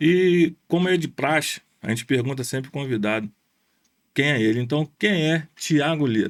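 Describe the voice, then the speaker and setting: A man speaks in a plain, everyday voice at a moderate pace, fairly high in pitch with ordinary pitch variation. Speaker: podcast host. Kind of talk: giveaway promo; podcast interview.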